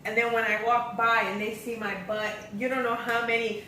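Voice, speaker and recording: A woman vlogger tells stories in a chatty, animated way. Her voice is bright and fairly high. She sits some distance from the mic in an echoey room with faint noise behind her. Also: brisk. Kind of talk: casual storytelling chat.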